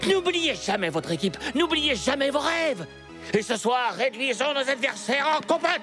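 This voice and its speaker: A woman's voice: sits high, expressive, normal speed, over music. A woman voicing an earnest, bossy little team captain in a cartoon, pompous and emphatic. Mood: rousing, solemn. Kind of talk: animated cartoon dub acting.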